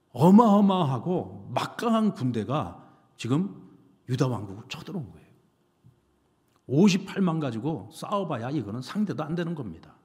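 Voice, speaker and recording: A man preaching a sermon as pastor, animated, asking the congregation rhetorical questions. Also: medium pitch. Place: church sanctuary. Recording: reverberant church sanctuary.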